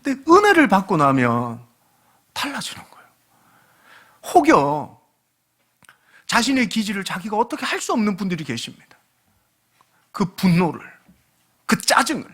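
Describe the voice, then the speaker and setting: A pastor in his late forties preaching a sermon, his voice swinging widely up and down as he tells stories. He is animated and humorous, slipping into other people's voices as he talks. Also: high voice, normal speed, long pauses. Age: late 40s. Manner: animated, humorous storytelling that acts out quoted dialogue. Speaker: guest pastor.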